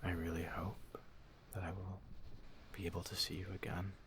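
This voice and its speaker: A man plays a kindly robot doctor in an ASMR roleplay, caring and polite with patients. The voice is a deep, breathy whisper that stays very even and unhurried, soothing and reassuring. Faint noise sits behind it. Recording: noticeable background noise.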